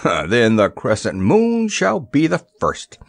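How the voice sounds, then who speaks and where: A man voicing a stern, excitable old sea captain and explorer who speaks loudly, in a storybook reading. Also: mid-range voice, takes it slowly, gravelly, no echo, clean studio sound, heavily acted. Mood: excited.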